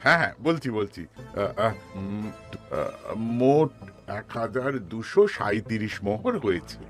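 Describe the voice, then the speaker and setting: A man's voice: fairly low pitch, expressive, normal speed, soft background music, close to an everyday voice. A man voicing a fawning, anxious village jeweller in a cartoon, repeating phrases obsequiously. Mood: eager. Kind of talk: exaggerated cartoon dialogue.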